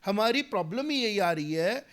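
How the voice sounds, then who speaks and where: A man's voice: high voice, lively intonation, normal speed, a bit bright. A man, giving emphatic political commentary in an interview, mixing in English phrases and growing heated as he argues. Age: 40s. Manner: emphatic, rising to heated argument; mixes English phrases into speech. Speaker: guest commentator.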